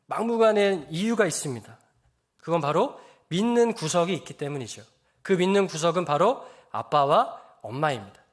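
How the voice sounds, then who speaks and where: Gently storytelling male pastor, fairly high voice. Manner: slow solemn scripture reading, then gentle storytelling. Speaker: guest pastor. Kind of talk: sermon. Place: church.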